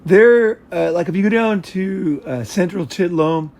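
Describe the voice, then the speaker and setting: Blunt, rambling American man, higher-pitched voice. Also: measured pace, creaky, a little mellow. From United States. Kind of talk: casual chat.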